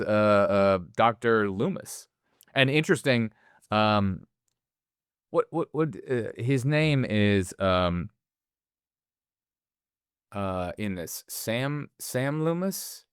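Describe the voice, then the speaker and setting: A man's voice: medium pitch, clear, resonant tone, no room sound, studio quality. A man co-hosting a casual film podcast, rambling and swearing freely as he talks. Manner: rambling, swears freely, stumbles over restarts. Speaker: podcast co-host.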